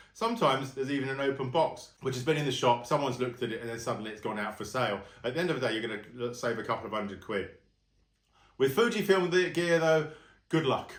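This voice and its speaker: A man with an English accent at a very fast pace, medium pitch and lively intonation, with audible room echo. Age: 60s. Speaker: photographer and tech vlogger. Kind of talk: casual vlog monologue. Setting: spare room at home.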